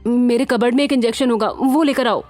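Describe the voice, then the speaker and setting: A calm, protective young man who reassures softly, as a woman narrator voices him. The voice stays close to the storyteller's own. Light music plays underneath. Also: on the high side, brisk, pitched above the performer's own voice, lightly acted. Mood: gentle. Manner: calm and gentle, at times stern.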